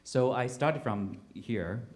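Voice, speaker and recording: This Taiwanese-accented playwright and director takes his time on a panel, his mid-range voice carrying a darkish tone. Speaking spontaneously about his own experience, he gropes for words and circles back over what he's said.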